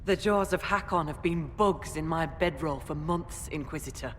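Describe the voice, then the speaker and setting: A woman's voice: moderate pace, close to an everyday voice. A woman playing a blunt, proud tribal raid leader in a video game, speaking in formal declarations. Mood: blunt, resolute. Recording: reverberant, noisy rumble.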